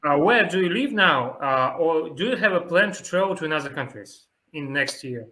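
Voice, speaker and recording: A young Russian man hosting a casual chat. He speaks halting English with a Russian accent and laughs often. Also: a little high, expressive, bright, forceful tone. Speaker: host.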